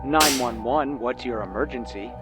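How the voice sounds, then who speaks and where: Calm male emergency dispatcher, played by an actor. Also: mid-range voice, moderate pace, over music, natural voice. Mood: official calm.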